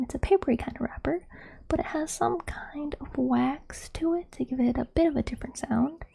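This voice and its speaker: Female ASMR roleplayer, very dark, soft whisper with a creaky edge, gentle and reassuring delivery. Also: on the high side. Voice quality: breathy whisper.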